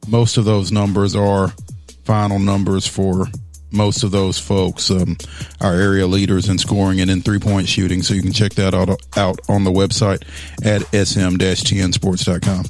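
A man co-hosting a local sports radio show, easygoing and unhurried, with plenty of ums. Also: deep voice, level tone, darkish tone, faint music behind. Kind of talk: casual sports talk radio.

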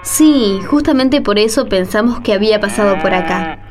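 A woman playing a gentle, courteous, devout young female disciple in a Spanish-language radio play. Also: medium pitch, animated, normal speed, music in the background, lightly acted. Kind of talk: radio play dialogue acting.

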